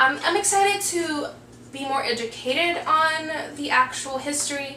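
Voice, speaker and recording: A high-pitched woman speaks in a raised, projected voice with an animated tone, amid noticeable background noise and audible room echo. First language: not English. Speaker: book vlogger. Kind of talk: casual vlog chat.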